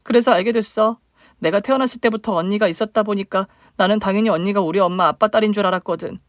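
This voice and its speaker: A woman's voice: mid-range voice, fast, dry recording, clean studio sound, close to an everyday voice. A woman voicing a hurt young single mother, the younger sister, speaking plaintively in a dramatized story. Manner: plaintive, emotional questioning.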